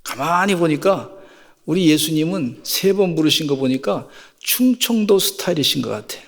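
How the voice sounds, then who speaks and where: A middle-aged male pastor delivers a sermon, his slightly high voice carrying a gravelly edge. He moves between folksy storytelling and fervent exhortation. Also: animated, moderate pace, big-room sound.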